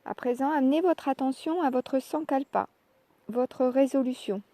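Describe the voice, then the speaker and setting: A woman leading a guided yoga relaxation, speaking calmly and in measured short phrases with pauses. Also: high voice, no room sound. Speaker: yoga nidra relaxation instructor. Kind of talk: guided meditation, soft instructional narration.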